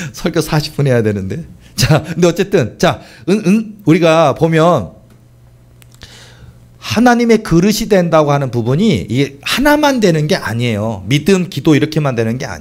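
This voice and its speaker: His voice has a fairly high pitch with very wide pitch swings. The man talks at a moderate pace. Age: 50s. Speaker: pastor. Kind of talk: sermon. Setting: church.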